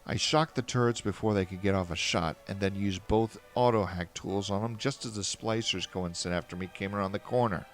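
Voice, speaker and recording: Low-voiced man reading fan fiction. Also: brisk, hardly any pauses. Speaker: narrator.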